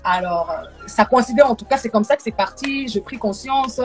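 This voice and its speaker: A young adult woman from the Democratic Republic of the Congo, a gospel worship singer chatting as a guest on a live video call, soft-spoken with many fillers and repeated words. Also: a little high, animated, normal speed, music in the background. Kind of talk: casual live-stream chat.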